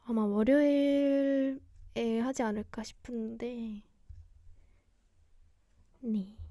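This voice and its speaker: A young woman hosting a cozy radio-style livestream chat, speaking in a soft, gentle, quiet way. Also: on the high side, fairly even intonation, very slow, dry recording, clean studio sound. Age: young adult. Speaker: radio DJ host, idol singer livestreaming.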